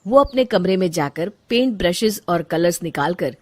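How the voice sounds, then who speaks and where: A woman narrating a Hindi cartoon moral story in a calm storytelling way. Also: on the low side, moderate pace.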